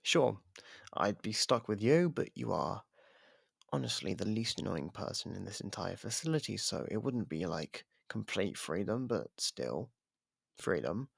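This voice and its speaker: A man playing an imprisoned serial killer in an ASMR audio drama, smug, taunting and flirtatious, with a husky, gravelly voice and a sarcastic drawl. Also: lowish voice, sing-song, unhurried, dry recording, studio quality, full character voice. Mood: teasing, flirtatious. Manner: drawling, sarcastic, teasing delivery.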